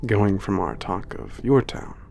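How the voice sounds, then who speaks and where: A man playing an old, gentle, reflective giant, speaking in a measured, formal way as in an ASMR letter home. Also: fairly low pitch, lively intonation, creaky, a little hiss or hum. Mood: pensive, regretful. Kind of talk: ASMR letter narration and roleplay.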